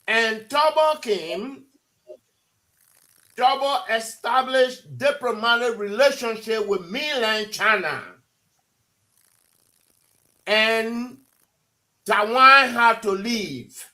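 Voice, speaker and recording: A man's voice: very high voice, animated, very slow, pauses often, bright, forceful tone, low-quality recording. A man from Liberia with a Liberian English accent, a guest in a heated live radio debate who insists and repeats words to hold the floor. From Liberia, Maryland County. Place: radio studio.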